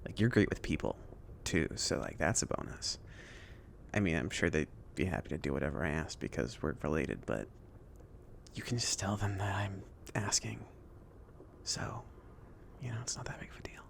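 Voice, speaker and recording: Casting: chill, kindly mage , male performer for ASMR roleplay; whispery, lightly gravelly, rambling and casual with lilting intonation. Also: deep voice, big pitch swings, moderate pace, heavily acted. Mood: coaxing. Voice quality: soft, breathy whispering mixed with murmured speech. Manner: hesitant, casual, rambling delivery. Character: chill, friendly male mage kindly outfitting his apprentice.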